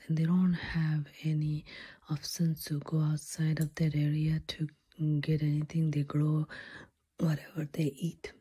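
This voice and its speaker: A woman doing ASMR storytelling in a breathy whisper, halting between short phrases. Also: low voice, dark tone.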